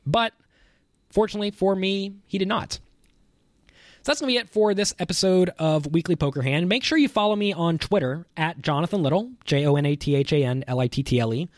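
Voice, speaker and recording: A man's voice: fairly high pitch, brisk, no room sound, clean studio sound. A man giving instructional poker commentary as a coach and host, analytical and explanatory, posing questions and answering them.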